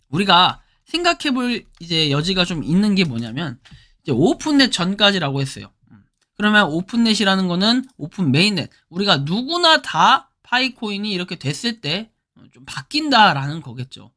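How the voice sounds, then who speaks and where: Explaining what's on her screen in a laid-back way, a crypto channel host often kicks off sentences with a prompting word. She has a hoarse throat and a mid-range voice with a bright, forceful tone.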